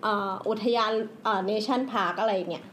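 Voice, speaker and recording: A woman co-hosting a podcast, explaining at length in casual chat, with pauses and fillers. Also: medium pitch, fairly bright tone, a little hiss or hum. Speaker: podcast co-host.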